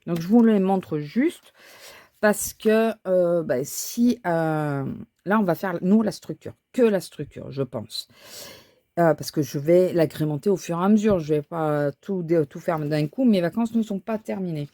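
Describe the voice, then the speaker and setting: A woman's voice: lowish voice, unhurried, mellow, no room sound. Woman chatting casually while crafting. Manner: thinking aloud, hesitant, many fillers and restarts. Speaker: crafting vlogger.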